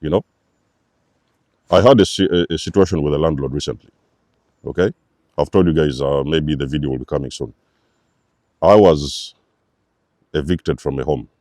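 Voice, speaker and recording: A man's voice: a bass voice, normal speed, long pauses, a little mellow, dry recording, studio quality. A man hosting a spiritual channel, giving an emphatic, repetitive preacher-like talk to his viewers. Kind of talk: spiritual teaching monologue.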